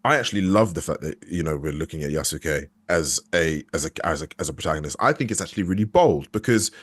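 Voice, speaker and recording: This is a young adult male actor being interviewed as a guest, talking fast in a rumbling low voice that is a bit bright with a breathy edge and lively intonation. He is casual, candid and reflective, thinking out loud with frequent restarts and hesitations.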